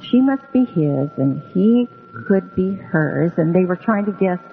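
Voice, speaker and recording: On the low side but with lively intonation and some vocal fry, this woman is a guest storyteller on a relaxed radio interview. She comes from Hawaii, grew up speaking Hawaiian, and wanders unhurriedly through her story with many ums. A narrow phone-like sound, long echoing reverb, and faint music mark the recording.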